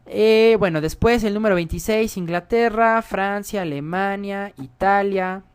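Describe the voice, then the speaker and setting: A man's voice: high-pitched, a little slow, smooth. A man gives a screen-recorded programming tutorial. He explains each step in a chatty way and keeps checking in with his viewers. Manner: chatty, explains step by step, often asks "¿sale?".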